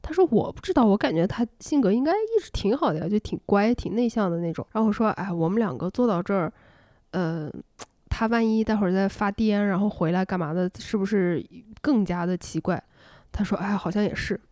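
A woman podcast host telling a personal story in casual chat, animated and laughing often. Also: medium pitch, brisk, no echo, studio quality. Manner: animated, laughs often, acts out quoted lines.

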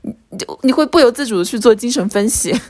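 A woman's voice: on the high side, fast, darkish tone. A woman in her thirties, co-hosting a casual podcast chat, reflective and thinking aloud with small restarts. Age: 30s. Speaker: podcast co-host.

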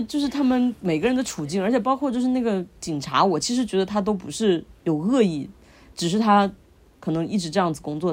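A woman's voice: mid-range voice, darkish tone. A woman co-hosting a podcast, telling a story in casual chat, stringing clauses together with lots of fillers. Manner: rambling, chains clauses with fillers. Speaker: podcast co-host.

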